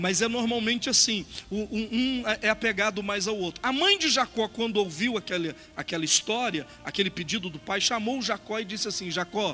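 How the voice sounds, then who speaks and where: With music in the background, a man speaks in a raised, projected voice. His pitch is high with ordinary variation, at a moderate pace. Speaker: pastor. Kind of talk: sermon. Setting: church. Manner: animated.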